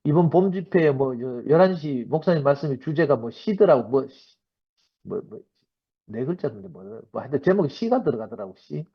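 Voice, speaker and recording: A man in his fifties with a Gyeongsang accent, giving a sermon-style personal testimony to a church gathering in a lively storytelling manner. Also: on the high side, moderate pace, slightly rough. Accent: Gyeongsang Korean. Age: 50s. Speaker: church member giving a talk. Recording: dull lo-fi recording.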